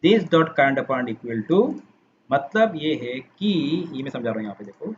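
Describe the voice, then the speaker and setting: A man's voice: mid-range voice, sing-song, measured pace. A man teaching a programming class, talking patiently and repeating steps as he types code, with a dull lo-fi sound and faint noise. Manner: patient, repeats and rephrases while explaining. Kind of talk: coding lesson walkthrough.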